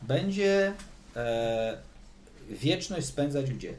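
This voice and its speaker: A man leads a Bible study in a voice that rises and falls widely, moving between middle and high notes. He talks to the group conversationally, firing questions and repeating words while he gathers his thoughts. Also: sing-song, extremely slow, darkish tone, slight background noise. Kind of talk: lively Bible teaching to a group.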